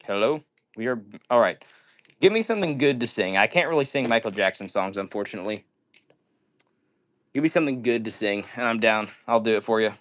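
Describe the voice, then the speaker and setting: A man's voice: fairly low pitch, expressive, a little fast, fairly bright tone, a little hiss or hum. A man hosting a live stream, chatting casually and reading out viewer messages in slangy, upbeat talk. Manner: upbeat slangy greetings, says "dude" and "yo" often.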